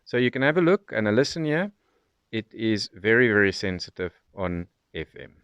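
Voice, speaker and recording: A South African man giving an unscripted, explanatory product review and demonstration in a measured way. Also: on the low side, very animated, a bit bright, clean tone, dry recording, muffled recording. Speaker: radio reviewer.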